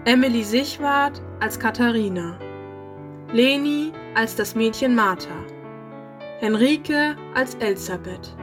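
A woman announcer reading scripted closing credits for an audio drama. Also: a little high. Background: music with piano.

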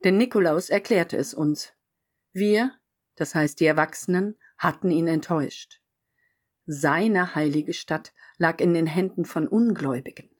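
A solemn young crusader narrates in a radio drama. Her voice is low, her telling measured and earnest. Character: solemn former child crusader recounting her faith.

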